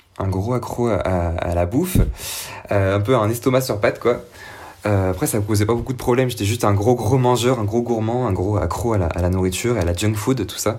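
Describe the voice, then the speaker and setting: Noticeable background noise is present. The talking goes at a fairly quick pace. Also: man, fairly low pitch for a man, ordinary pitch variation. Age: 20s. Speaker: YouTuber on plant-based eating. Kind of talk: interview testimony. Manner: halting.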